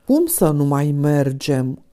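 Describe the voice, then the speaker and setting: A hoarse, agitated sick painter, quick to irritation and short of voice, as a woman narrator puts him on. Her low, mellow tone stays under the strain. It comes as a storybook reading. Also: very animated. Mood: irritated. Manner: agitated, exasperated.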